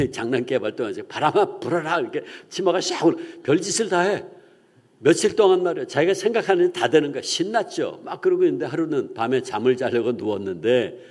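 A man's voice: medium pitch, darkish tone, big-room sound. A middle-aged male pastor preaching an early-morning sermon in a church, telling a story with acted-out voices.

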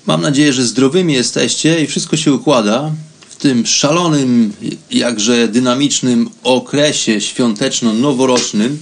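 Man hosting an informal, reflective radio monologue. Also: mid-range voice. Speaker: radio program host.

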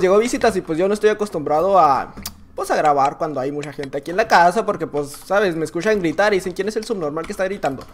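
A man with a Mexican Spanish accent giving casual, excitable gameplay commentary, full of slang, laughing and often shouting. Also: sits high. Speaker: gaming YouTuber.

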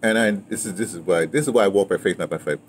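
A man's voice: low-pitched, fast. A man in his seventies reminiscing in casual conversation, repeating phrases as he tells his stories. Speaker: interviewee, audio drama veteran. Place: outdoors, patio or yard of a building. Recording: clearly noisy outdoor ambience.

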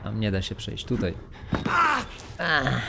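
Noisy stream audio captures a streamer's lowish, creaky voice as he commentates on the horror game he's playing. He is animated but takes it slowly, muttering and cursing to himself and his viewers.

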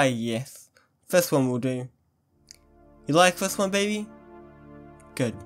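A man playing an affectionate, playful young boyfriend on a date in an ASMR-style audio roleplay, doting and easily excited. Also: on the high side. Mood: soft, affectionate. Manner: doting, pet names, mock sports commentary.

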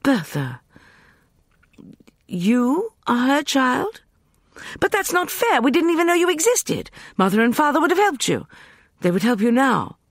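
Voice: sits high, big pitch swings, unhurried, long pauses, no echo, clean studio sound, pitched above the performer's own voice, heavily acted. A narrator voicing a shocked but determined young woman held captive, speaking urgently.

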